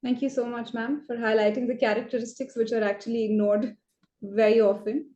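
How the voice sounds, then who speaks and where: Casting: higher-voiced woman emcee, formal and measured, echoey room. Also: steady tone, mellow, highs cut off. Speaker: awards ceremony host. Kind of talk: reading formal introductions.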